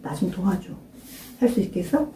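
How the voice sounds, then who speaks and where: A woman's voice: medium pitch, expressive, moderate pace, dark tone, slight background noise. An older woman pastor preaching an informal sermon, emphatically questioning her listeners and urging them to pray aloud. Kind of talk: informal sermon to a small congregation. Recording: roomy echo, mic at a distance.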